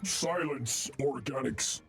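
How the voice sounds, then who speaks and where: A man voicing a hostile robot in a game, with a metallic robotic voice that speaks in flat, clipped commands. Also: mid-range voice, takes it slowly, gravelly, faint music behind. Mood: cold menace. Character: hostile male robot, cold and menacing. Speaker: in-game character voice.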